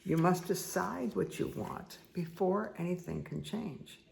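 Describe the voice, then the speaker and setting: A middle-aged woman with a hoarse, croaky voice, slowly reading cards and giving soft, repetitive spiritual guidance. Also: lowish voice, slight background noise. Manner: slow, soothing, repetitive guidance with asides. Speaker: spiritual reader and meditation guide. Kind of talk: casual spoken card reading.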